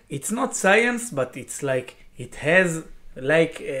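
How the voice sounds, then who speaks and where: A man with an Israeli accent, high in pitch, with very wide pitch swings at a very slow pace. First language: Hebrew. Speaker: stand-up comedian. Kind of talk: casual chat. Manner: halting.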